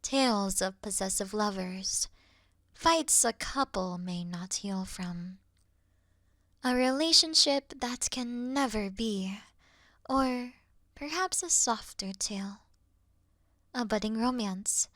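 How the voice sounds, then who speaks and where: A woman playing an awkward, officious moth girl in a sleep-aid ASMR roleplay, speaking softly and deliberately in a dry bedside murmur that slips into whispers. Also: mid-range voice, dry recording. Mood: soft, musing. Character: awkward, officious young female moth monster offering comfort.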